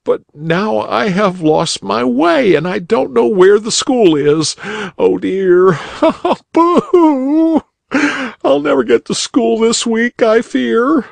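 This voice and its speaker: A man voicing a tearful young schoolboy who is late for school, pitched far up. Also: expressive, takes it slowly, gravelly, few pauses, dry recording, heavily acted. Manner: high, wailing, tearful.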